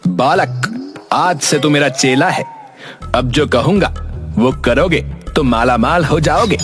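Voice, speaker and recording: A man's voice: medium pitch, slow pace, a bit bright, faint music behind. A man voicing a greedy, scheming priest in a cartoon, giving orders in a sly, commanding way.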